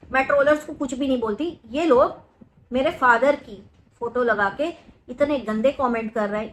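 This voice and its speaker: A woman with a high voice delivers a vlog rant straight to camera. She scolds and threatens, hammering points home by saying them twice. Her tone is insistent and accusing throughout. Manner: repeats phrases for emphasis. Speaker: vlogger.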